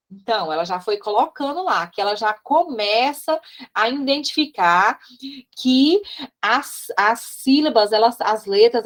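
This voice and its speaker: A Brazilian woman teacher explaining slides in a recorded class, chatty, with frequent tag questions and asides as she points things out. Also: fairly high pitch. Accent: Brazilian Portuguese.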